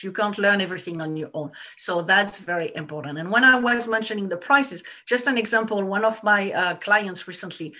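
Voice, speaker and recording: A French woman who works as a business coach explains what she does in casual interview answers. Her mid-range voice is pushed and bright, and she comes across as earnest, driving her points home by repeating them.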